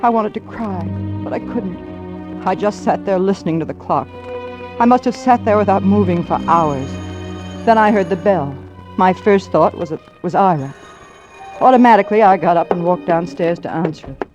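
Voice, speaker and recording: A woman's voice: lowish voice, moderate pace, highs cut off, natural voice. A woman playing a tense young wife in a 1940s radio drama. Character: anxious young wife left by her lover. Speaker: radio drama lead and narrator. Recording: old radio broadcast with music.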